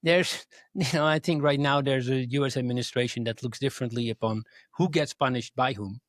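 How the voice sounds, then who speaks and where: A man's voice: mid-range voice, fairly quick, no echo, clean studio sound. A man of Dutch and Asian background co-hosting a tech and crypto podcast, talking in a thoughtful, hesitant way with fillers and restarts. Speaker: podcast co-host. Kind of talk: casual chat.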